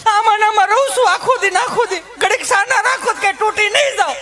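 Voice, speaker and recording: A man putting on a shrill nagging Kathiyawadi housewife. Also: fairly quick, bright, forceful tone, a faint crowd, a little hiss or hum. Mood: exasperated. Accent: Kathiyawadi Gujarati. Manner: whiny, nagging complaint. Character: harried complaining housewife, mother of two.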